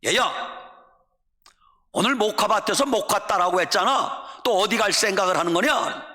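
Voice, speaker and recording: A man voicing a stern old farmer father who scolds his daughter loudly. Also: high voice, normal speed, voice pushed up. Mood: scolding. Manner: loud and scolding. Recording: echoey church hall.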